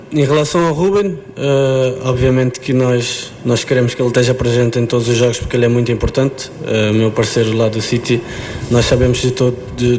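A man's voice: medium pitch, darkish tone, slight background noise. A young man, a footballer, answering press conference questions hesitantly with many fillers and restarts.

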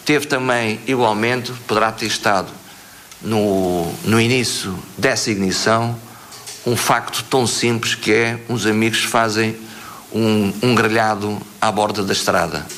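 Lowish voice guy, stops and repeats himself a lot, slight hiss on the clip. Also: steady tone, a bit bright. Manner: halting, repeats words. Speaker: official speaking on fire risk. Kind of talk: recorded statement.

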